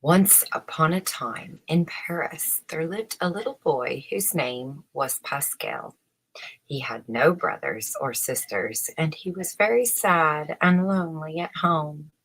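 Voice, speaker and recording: A woman reading a children's story aloud as an expressive storyteller, pausing between short phrases. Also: low-pitched, breathy edge, rough recording. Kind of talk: storybook narration.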